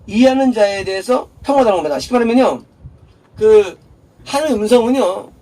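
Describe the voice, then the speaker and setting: A man's voice: sits high, expressive, fairly quick, mellow. A male pastor giving a chatty, conversational sermon, posing rhetorical questions to the congregation and answering them himself. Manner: chatty and informal, with laughs in passing. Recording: voice a bit distant from the mic, faint background noise.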